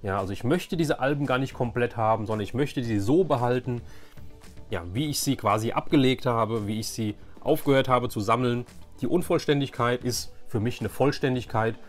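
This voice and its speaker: A man's voice: mid-range voice, normal speed, soft background music. A man in his forties hosting a casual, nostalgic show-and-tell, chatty and repeating words for emphasis. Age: 40s. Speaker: YouTube host.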